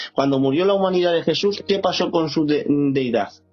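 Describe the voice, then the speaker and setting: Music plays in the background as a man speaks with a Valencian accent. His intonation is lively. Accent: Alicante. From Spain, Alicante. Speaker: church host. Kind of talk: question and answer moderation.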